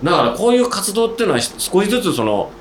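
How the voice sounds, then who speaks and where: A man hosting a casual podcast chat, talking at length in a rambling, animated way about his work. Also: high-pitched, fast, reverberant, slight background noise. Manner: talkative, rambling, animated storytelling. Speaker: podcast host, outdoor gear maker.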